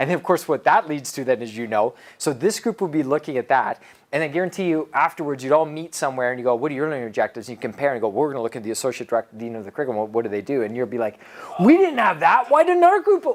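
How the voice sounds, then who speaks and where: An animated tone at a very fast pace, in a very clean recording with a silent background. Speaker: university instructor. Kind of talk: workshop Q&A.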